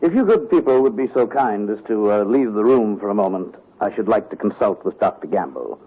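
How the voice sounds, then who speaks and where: An actor playing a pompous, formal tree surgeon in an old radio comedy. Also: male voice, lowish voice, expressive, fairly quick. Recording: muffled old radio transcription.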